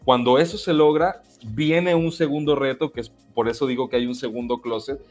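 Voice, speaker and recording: A man from Mexico whose first language is Mexican Sign Language, giving earnest, measured interview answers with frequent hesitations. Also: mid-range voice, steady tone, a little mellow, soft background music. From Jalisco, Mexico.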